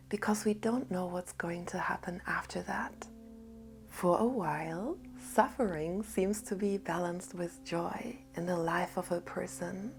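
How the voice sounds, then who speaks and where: A woman giving a gentle spiritual talk in a soft, half-whispered, calm voice. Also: mid-range voice, gravelly. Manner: calm and unhurried. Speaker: spiritual teacher.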